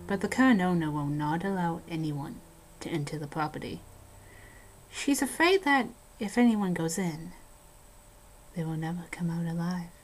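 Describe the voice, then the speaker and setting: A woman playing a horror fan who swaps spooky tales in a dramatic way, dipping into hushed tones. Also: fairly low pitch, low-quality recording. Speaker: horror story narrator. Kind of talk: scripted ghost story narration and acted banter.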